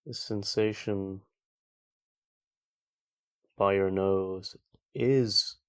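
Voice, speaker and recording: A man leading a guided meditation as a teacher, speaking in a calm, gentle, unhurried way with long pauses between phrases. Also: sits low, clear, resonant tone.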